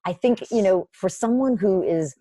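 A woman guest in a casual interview, telling stories in a lively way with many "like" and "you know" fillers. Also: medium pitch, normal speed, no echo. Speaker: podcast guest.

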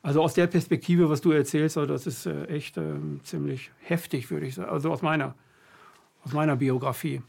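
A middle-aged interviewer from western Germany speaks in a fairly high, gravelly voice. He talks haltingly and thoughtfully, pausing to find his words as he tells his own stories. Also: fairly even intonation, darkish tone. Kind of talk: casual conversation.

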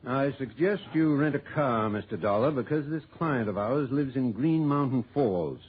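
A man's voice: medium pitch, expressive, normal speed, slightly rough. An actor playing a precise, matter-of-fact male insurance office manager in an old radio drama. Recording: tinny phone-like old radio broadcast.

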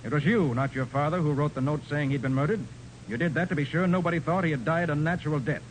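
An actor playing a confident, commanding private detective with a brisk, authoritative manner in a 1940s radio crime drama. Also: male voice, close to an everyday voice. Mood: explanatory, assured. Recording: noisy rumbling 1940s radio recording.

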